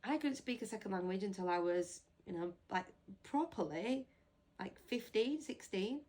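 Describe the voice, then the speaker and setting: A woman's voice: mid-range voice, animated, normal speed, darkish tone. A woman chatting casually as a parent vlogger answering viewer questions, teasing and laughing easily. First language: English. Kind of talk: casual chat.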